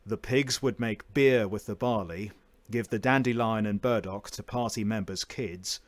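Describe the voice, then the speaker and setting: A man's voice: fairly low pitch, no echo. A man reading fiction aloud as a voice-over narrator, with theatrical, emphatic storytelling.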